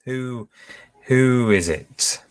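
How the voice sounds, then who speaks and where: A man's voice: medium pitch, drawn-out words, clear, resonant tone. A man hosting a pub quiz from home, chatting casually as he reads out questions, answer options and team scores. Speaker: quiz host.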